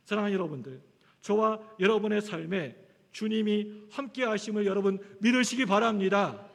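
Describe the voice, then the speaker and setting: High-voiced, gravelly pastor preaching. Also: male voice. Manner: earnest preaching that rises to emphatic appeals. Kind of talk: sermon. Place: church sanctuary. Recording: echoey church hall.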